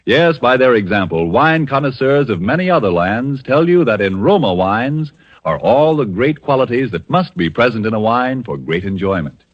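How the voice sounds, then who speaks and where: A man announcing in a 1940s radio show, reading a smooth, persuasive sponsor pitch. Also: very animated, moderate pace. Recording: dull old radio broadcast.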